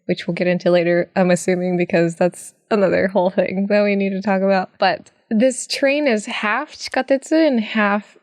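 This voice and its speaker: Podcast co-host, woman, mid-pitch, giggly, bilingual, dry close recording. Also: fairly even intonation, moderate pace, few pauses, darkish tone, dry recording. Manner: bilingual, drops into Japanese words, giggly. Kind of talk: casual chat.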